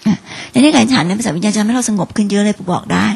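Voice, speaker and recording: Gravelly, husky woman preaching. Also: mid-range voice, rapid-fire, a little mellow. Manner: conversational, asks the congregation questions. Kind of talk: sermon.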